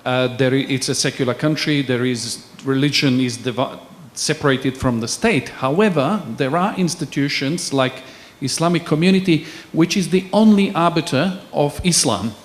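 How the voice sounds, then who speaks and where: A man from Bosnia, asking a panel a long, measured question from the floor. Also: fairly high pitch. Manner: measured, searching for words. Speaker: audience member asking a question.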